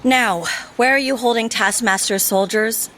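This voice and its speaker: Actress as stern female commander, curt, deadpan, no-nonsense, music behind, audio drama. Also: fairly high pitch, a little slow, lightly acted. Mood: stern, brisk.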